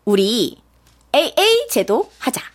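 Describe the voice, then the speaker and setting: A woman's voice: fairly high pitch, big pitch swings, slow. A woman co-hosting a live radio quiz show, bantering as she presents the questions.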